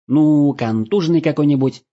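A man's voice: a little high, normal speed, voice pushed up, lightly acted. A man voicing an impatient, grumbling male elf adventurer. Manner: grumbling, whiny. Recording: dull lo-fi recording.

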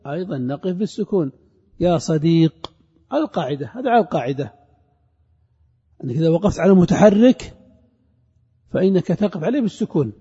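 A man giving a classroom grammar lesson. He asks questions and answers them himself, and he repeats each example slowly. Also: on the high side, sing-song, mellow, breathy edge. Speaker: grammar teacher. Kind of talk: classroom lecture on Arabic grammar. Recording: dull lo-fi recording with long hall reverb.

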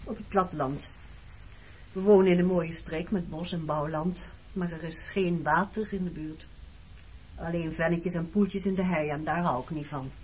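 A woman's voice: on the low side, moderate pace, darkish tone, natural voice. Woman acting terse guarded woman in her thirties, pointed remarks, radio play dialogue, muffled lo-fi sound, background noise. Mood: matter-of-fact. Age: 30s. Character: slim woman in her early thirties, guarded, pointed toward an old flame. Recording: dull lo-fi radio recording, clear noise.

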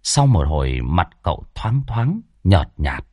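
A man narrating a ghost story in a lively, expressive way. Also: low-pitched, measured pace.

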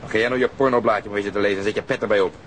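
A man acts out a domineering police detective in a radio drama. He is curt and sarcastic, speaking fast in a lowish voice. A faint rumble sits behind him. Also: steady tone, fairly bright tone, natural voice. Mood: angry, domineering. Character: brusque, bullying male police detective interrogating people.

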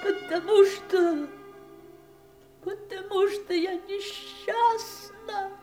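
An actress playing a bitter, wounded middle-aged wife in a theatrical audio drama, with emphatic, anguished delivery. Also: female voice, very high voice, very slow, dark tone, soft background music, heavily acted. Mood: despairing. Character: bitter, wounded ageing wife of a dying famous man. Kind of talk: theatrical Russian radio drama acting.

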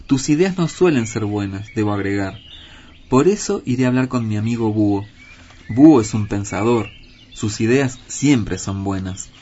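A man's voice: lowish voice, expressive, moderate pace, mellow, close to an everyday voice. A man voicing a timid, evasive husband crow in a storybook reading, grumbling and defensive. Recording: dull lo-fi with faint hiss.

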